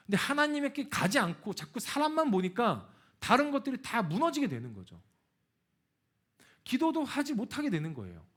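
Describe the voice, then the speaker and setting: A middle-aged man preaching a sermon as a pastor, telling a personal story and acting out the quoted lines. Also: sits high. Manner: animated, acts out quoted dialogue. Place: church sanctuary.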